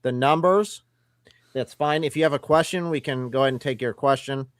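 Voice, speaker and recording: A man's voice: medium pitch, fairly quick, dry recording, studio quality. A man hosting a Christian livestream, speaking in an earnest, emphatic way as he criticizes and then takes calls. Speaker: livestream co-host. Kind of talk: livestream commentary and call-in.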